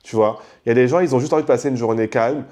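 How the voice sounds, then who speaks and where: Young male host, loud casual rant, slangy, lively, mid pitch. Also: racing. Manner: animated and slangy, acts out quoted people; talks loudly. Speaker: podcast host. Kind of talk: casual ranting monologue.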